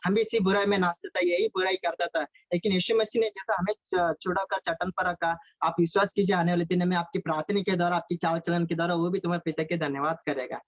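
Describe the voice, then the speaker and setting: A man's voice: high voice, steady tone, fast, few pauses. A man preaching a sermon over a video call, repeating phrases, asking his listeners questions and mixing in English words. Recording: dull lo-fi call audio.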